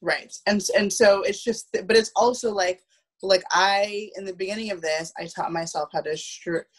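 A woman in her thirties talking casually on a video call as a panel guest, halting and often repeating words. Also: medium pitch. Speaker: theater producer and guest. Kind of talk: casual roundtable talk. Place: room at home, video call.

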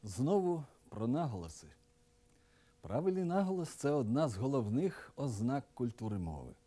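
A man narrates a scripted language lesson in a very dark, deep-toned voice. His pitch swings widely as he sets each correct form against a wrong one. He speaks clearly and deliberately, like a drill. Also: very animated. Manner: clear, deliberate, drilling word pairs with stressed contrasts. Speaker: language teacher.

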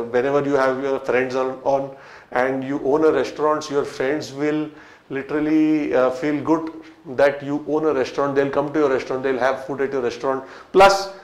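A man in his thirties with an Indian English accent, talking to camera in front of a whiteboard as a business coach, with many fillers and restarts. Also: on the high side. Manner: conversational, many fillers and restarts, gesturing while explaining. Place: small room in front of a whiteboard, indoors. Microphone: fixed camera, medium shot. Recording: echoey small room.

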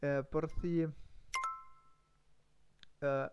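A man slowly improvising a story as practice, with many fillers, pauses and restarts. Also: on the high side, level tone, highs cut off, music in the background. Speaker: language learner streamer. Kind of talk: halting improvised practice talk.

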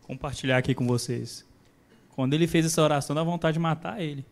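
A man's voice: fairly high pitch, fast talker. A man speaking casually on stage, retelling his own incredulous thoughts.

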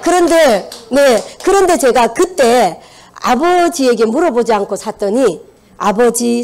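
A woman in her fifties from Busan with a Busan Gyeongsang accent, giving a motivational seminar talk and telling stories while asking the audience questions. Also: sits high. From Busan, South Korea. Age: 50s. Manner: lively storytelling with audience questions. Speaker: seminar speaker. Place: seminar hall.

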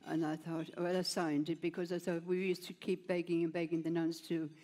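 A woman's voice: on the low side, flat delivery, a little fast, dark tone. An older woman, speaking as a guest in an onstage interview in a plain, rambling way, often adding "you know", on a headset mic. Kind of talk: onstage conversation, personal story. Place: stage at a large gala, indoors.

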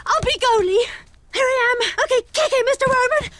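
A woman's voice: extremely high pitch, fairly quick, fairly bright tone, a little hiss or hum. A woman playing an eager little orphan village child in a video game cutscene. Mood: eager, pleading.

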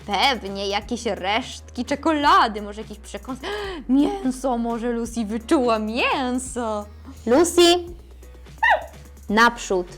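A woman's voice: fairly high pitch, lively intonation, slow, faint music behind. A woman with a Polish accent demonstrating a toy puppy for children, coaxing it sweetly and giving it commands.

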